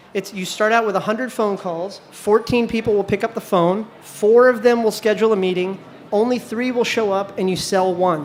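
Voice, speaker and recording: A man talks at a moderate pace with hardly any pauses and an animated tone. His pitch is high, and there is noticeable background noise. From India, moved to US as a child. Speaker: venture capital investor. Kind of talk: live panel talk. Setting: stage with live audience.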